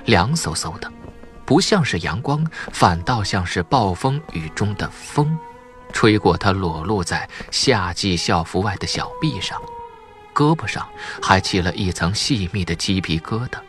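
A man's voice: lowish voice, a bit bright. A man narrating a suspense audiobook in a dramatic, theatrical storytelling manner.

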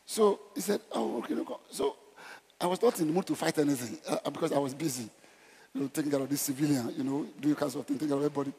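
This time the middle-aged Nigerian pastor sounds mellow, fairly high-pitched and very fast, with slight background noise. His evangelistic sermon exhorts emphatically through short repeated phrases, then shifts conversational; he's on stage in a large church auditorium on a headset, the sound echoey.

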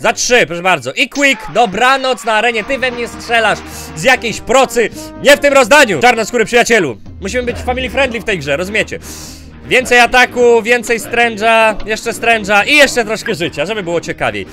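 A young man with a high, bright voice gives let's play commentary over faint game music. He mutters plans under his breath, then bursts into loud, excitable yelling at the game. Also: normal speed. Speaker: gaming YouTuber.

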